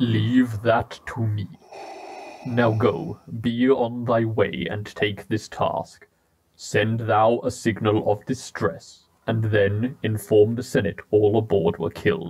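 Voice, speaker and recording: A man's medium-pitched voice at a fairly slow pace. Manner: cold, commanding.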